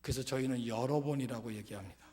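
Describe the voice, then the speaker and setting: A middle-aged man preaching a sermon to his congregation, asking them questions and swinging from loud calls down to whispers. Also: mid-range voice, fast. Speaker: pastor. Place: church sanctuary.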